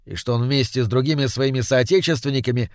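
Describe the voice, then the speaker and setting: A man reading a story aloud in a measured storytelling voice. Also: medium pitch, no room sound, clean studio sound. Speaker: audiobook reader. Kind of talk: scripted narration.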